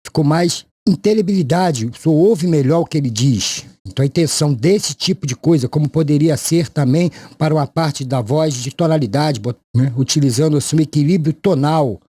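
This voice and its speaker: A man's voice: a little high, a little fast, few pauses, dark tone, slightly rough, no echo. A Brazilian man with a tongue-tied, lisping speech impediment, giving an unscripted audio tutorial in a formal, courteous way. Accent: Brazilian Portuguese. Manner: formal, courteous address to viewers.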